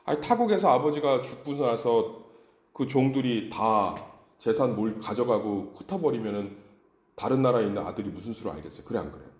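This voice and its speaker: A man's voice: mid-range voice, animated, a little fast, darkish tone. A male pastor delivering a dawn service sermon, full of rhetorical questions and acted-out stories, in an echoey church room. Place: church sanctuary.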